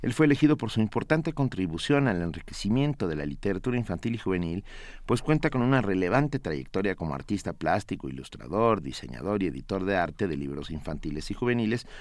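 A man's voice: low-pitched, very animated, fast talker, darkish tone, no room sound. A man with a Mexican accent presenting as a radio host, partly reading from a script.

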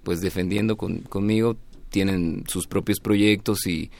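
A man with a very low voice and plenty of creak talks casually as a musician in an interview. He is reflective and hesitant, pausing to find the right word. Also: steady tone, darkish tone. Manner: hesitant, reflective, searching for words. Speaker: musician, band leader being interviewed.

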